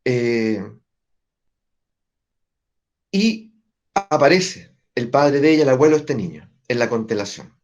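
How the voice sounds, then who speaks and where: A man teaching family constellations to a group, explaining step by step and often checking in with his listeners through quick tag questions. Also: mid-range voice, animated, darkish tone. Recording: dull lo-fi recording.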